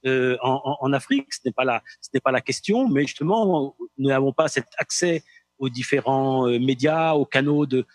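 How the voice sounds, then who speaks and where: A man moderating a panel discussion, speaking haltingly and often repeating words as he goes. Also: medium pitch, no room sound.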